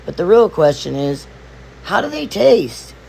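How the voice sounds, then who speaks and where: A man with a raised, gravelly voice that has gone hoarse from losing it hosts an explainer vlog. He tells the story in an animated, playful way, leaning into the big reveals. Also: high-pitched, unhurried, a little hiss or hum. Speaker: video host.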